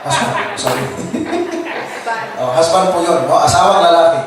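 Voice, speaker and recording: A male pastor on the high side, speaking at normal speed, delivers a humorous sermon in church, joking with the congregation, laughing often, and slipping in English words. He keeps calling listeners brothers and sisters, and the recording is noisy, distant, and very echoey.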